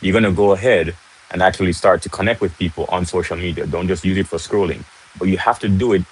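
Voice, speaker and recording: A young man with a Jamaican accent talks fast in a low, slightly rough voice while hosting an informal teaching livestream at home in Jamaica. He frequently ends phrases with "right?" and says hello to viewers in the middle of his chat. The recording is rough.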